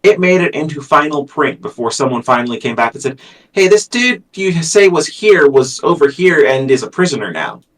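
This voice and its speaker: A man's voice: a little high, sing-song, moderate pace, fairly bright tone, distant mic. A man speaking as a guest author in a casual livestream chat, with a dry, self-deprecating manner. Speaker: guest, science fiction author.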